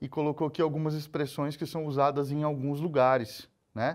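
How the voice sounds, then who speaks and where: A man speaks at a fairly quick pace in a strong Goiás accent. The recording is very clean, with a silent background. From Brazil, Goiás (Goiânia). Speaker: teacher. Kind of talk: lecture. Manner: casual, conversational.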